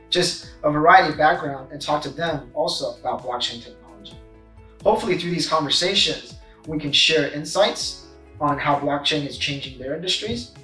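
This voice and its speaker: A man's voice: a little high, a bit bright. A man hosting a podcast interview. He reads a polished intro, then ad-libs with many "uh"s and restarts. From United States. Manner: scripted-sounding intro, then hesitant with frequent fillers when ad-libbing. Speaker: podcast host. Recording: echoey room with faint music.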